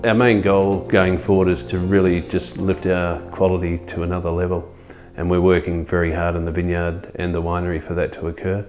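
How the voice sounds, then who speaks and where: A middle-aged man talking in a filmed interview as a winemaker, halting with many fillers, recorded in a tasting room. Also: deep voice, flat delivery, a little mellow. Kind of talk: documentary interview. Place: indoor winery tasting room. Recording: music bed underneath.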